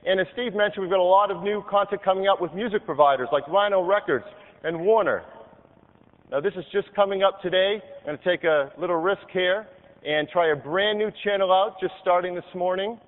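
A man giving an upbeat live software demo on a conference stage, clicking through features as he talks. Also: high voice, brisk. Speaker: product demonstrator on stage. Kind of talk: live keynote product demo. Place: large convention hall stage. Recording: tinny, hall-reverb archive video of a keynote.

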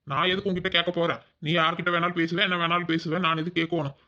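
Cartoon village husband, sulky and jealous, Kongu accent, snaps back in rapid bursts; a man voices him; muffled lo-fi sound. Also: a little high, flat delivery, bright, forceful tone. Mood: grumpy. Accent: Kongu Tamil. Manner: curt, snapping replies. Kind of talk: cartoon voice acting.

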